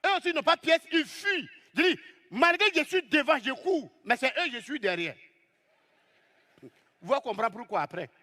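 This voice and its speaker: A man telling a comic story on stage as a stand-up comedian, lively and exclaiming as he acts out the scenes. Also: extremely high pitch, moderate pace.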